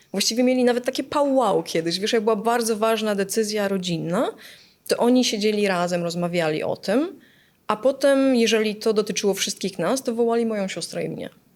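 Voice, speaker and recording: A woman with a normal speaking voice talks at a fairly quick pace in a fairly high pitch with ordinary pitch variation, on a very clean recording with a silent background. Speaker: business coach and executive. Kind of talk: interview.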